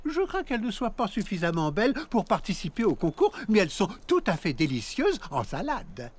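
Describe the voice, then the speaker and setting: A woman voicing a polite, cheerful centipede in a genteel, animated French cartoon dub, with music under the voice. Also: medium pitch, brisk, slight background noise. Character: Monsieur Millepattes, polite, cheerful centipede who loves salad.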